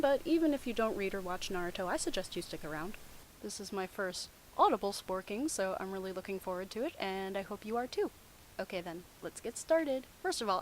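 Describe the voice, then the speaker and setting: Female host, medium pitch, sardonic nitpicking commentary, slight static on a home recording. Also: low-quality recording. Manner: sarcastic, nitpicking. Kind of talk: snarky running commentary. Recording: home recording with steady background hiss. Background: static hiss.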